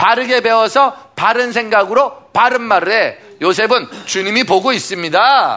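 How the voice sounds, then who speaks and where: Raised and projected, a man's high voice comes across bright, sharp and animated, with ordinary pitch variation at a moderate pace. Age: 40s. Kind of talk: sermon-style lecture to a studio audience.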